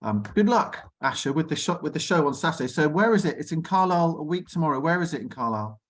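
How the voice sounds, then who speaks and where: A man's voice: on the high side, lively intonation, fast. A man hosting an informal online arts discussion, feeling his way through questions and rephrasing as he goes. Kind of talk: informal chairing of a group conversation. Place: online video call.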